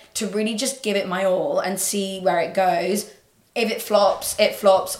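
Audible room echo is present around a woman's voice. Her pitch sits at medium, with ordinary pitch variation. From southern England. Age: 20s. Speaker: YouTuber and beauty content creator. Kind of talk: casual interview chat.

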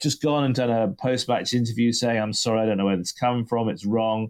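This man has a British accent and a medium pitch. His intonation stays fairly even. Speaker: sports writer. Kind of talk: casual chat. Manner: halting, many fillers.

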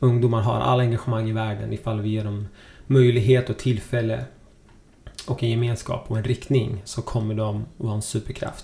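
A man speaks at a moderate pace in a flat monotone, with noticeable background noise. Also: medium pitch for a man. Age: 40s. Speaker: youth worker. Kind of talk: casual interview chat.

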